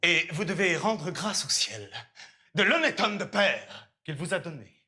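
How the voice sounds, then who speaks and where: Stage comedy: smooth young servant-suitor, bright declamatory tone. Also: male voice, sits high, very animated, unhurried, full character voice. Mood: persuasive. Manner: persuasive, declamatory verse-like delivery. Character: young male steward, smooth flattering schemer. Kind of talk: classical stage comedy acting.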